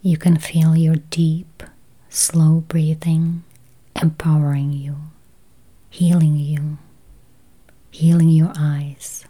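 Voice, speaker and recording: Woman whispering a slow guided meditation, low soft breathy voice, really mellow. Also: flat delivery. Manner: slow, soothing, with long pauses.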